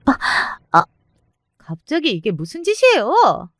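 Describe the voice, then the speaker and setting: A high, shrill young bride-to-be voiced by a woman narrator in an audio drama story. She protests and pleads in indignant panic, pitched well above a normal voice. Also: wildly swooping pitch, unhurried, no room sound, studio quality, exaggerated voice.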